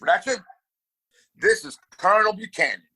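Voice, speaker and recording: A man plays a rich, domineering town boss in a Western radio play. His bright voice swings widely in pitch as he hands out orders with condescension and open scorn. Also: expressive, moderate pace, breathy edge, exaggerated voice. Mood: stern. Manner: condescending, commanding. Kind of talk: Western audio play acting.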